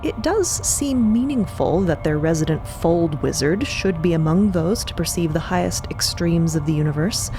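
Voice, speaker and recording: Low-pitched woman narrating over music. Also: expressive, moderate pace, few pauses, poor audio. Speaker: narrator in a fiction podcast. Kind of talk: dramatic scripted narration.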